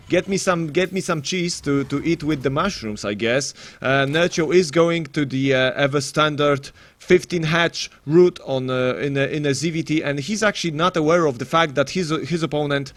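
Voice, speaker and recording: A man's voice: on the high side, a bit bright, no room sound. A man commentating live on a game tournament in a casual, rambling way, full of matey banter and mock-announcer flourishes.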